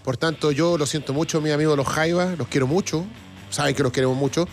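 Man, Chilean accent, radio host, enthusiastic, restarts often, higher pitch, soft music underneath. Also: fairly even intonation, quick pace. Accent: Chilean Spanish. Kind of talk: casual radio chat reading listener comments.

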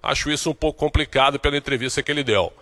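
A man giving a recorded sports report from abroad in a brisk, fluent reporting tone. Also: a little high, a bit bright.

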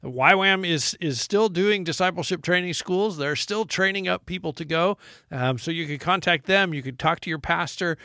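A man's voice: high-pitched, normal speed, bright, forceful tone, no echo, studio quality. A man hosting a faith interview, speaking in a conversational, encouraging way with frequent fillers and repeats. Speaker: radio show host.

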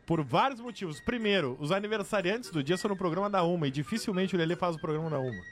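A man co-hosting a radio show lays out quickly, point by point, why a story is false. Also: high-pitched, expressive, soft background music. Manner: quick, know-it-all, debunking. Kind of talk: casual banter.

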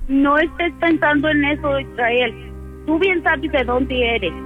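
A high-pitched, tearful woman pleads with her son over a tinny phone line. She is anxious and keeps repeating herself, and faint music runs behind her. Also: measured pace. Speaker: mother on a phone call.

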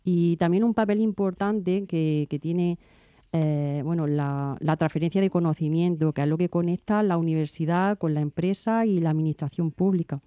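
A woman from southern Spain answering interview questions as a researcher, careful and halting, with many fillers. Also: fairly low pitch, no echo, dull audio. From Andalusia, Spain.

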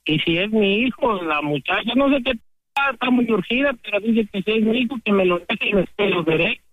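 Mexican guy on the phone with his mom, kinda high voice, lots of um-ing and restarts. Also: expressive, no echo, phone-quality sound. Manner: hesitant, fills pauses with "este". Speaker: father calling his mother. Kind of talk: casual phone chat.

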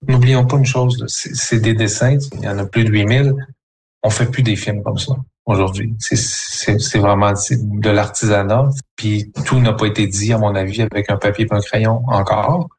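Earnest Quebec French man, lowish voice. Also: steady tone, moderate pace, darkish tone, a little hiss or hum, poor audio. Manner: rambling, filler-heavy, earnest. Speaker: film director interviewed. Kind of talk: casual interview talk.

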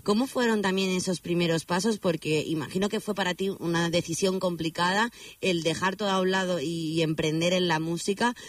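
A man's voice: high-pitched, fairly even intonation, fairly quick, distant mic. A man interviewing a singer, asking friendly, rambling questions. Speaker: interviewer and journalist.

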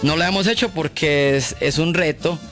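A man's voice: a little high, normal speed, music in the background. A man from Colombia, a singer guest, chatting casually and openly, often restarting his sentences. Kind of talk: casual chat.

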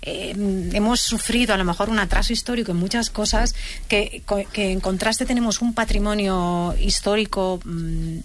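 A woman's voice: mid-range voice, moderate pace, slight background noise. A woman from Barcelona interviewing a guest, often repeating words as she searches for her phrasing. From Barcelona, Spain. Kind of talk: radio-style interview chat.

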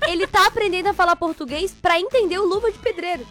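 A young woman co-hosting a casual chat, talking in a chatty, lively way. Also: very high voice, quick pace, faint music behind. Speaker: co-host.

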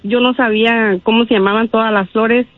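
A woman's voice: fairly high pitch, steady tone, brisk, no room sound, soft background music. A woman from Guanajuato calling a radio show, speaking modestly and hesitantly. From Guanajuato, Mexico. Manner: modest, hesitant, many "pues". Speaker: caller. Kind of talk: phone call-in on radio. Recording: tinny phone line, dry.

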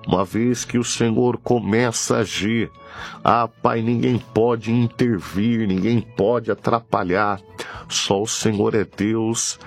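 A man leading a fervent late-night prayer, slow and pleading, repeating his invocations. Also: on the low side, slightly rough. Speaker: prayer leader.

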